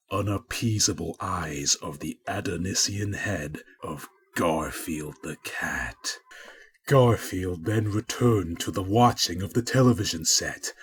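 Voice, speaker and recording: A man with a lowish voice narrates a mock-epic story. His delivery is very slow, pompous and grandly dramatic, treating every phrase as momentous. Music plays clearly behind him. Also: fairly bright tone. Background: prominent music.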